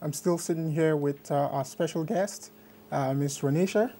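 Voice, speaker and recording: A woman hosting a studio show, asking questions in a relaxed, measured way. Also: deep voice, a little hiss or hum. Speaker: studio host.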